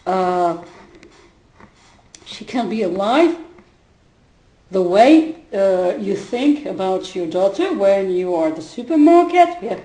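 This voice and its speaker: Halting, laughing woman in an echoey room. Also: mid-range voice, big pitch swings, dark tone. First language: not English. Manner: halting, many fillers and restarts, often bursts into laughter. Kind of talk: casual spoken retelling. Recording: roomy echo.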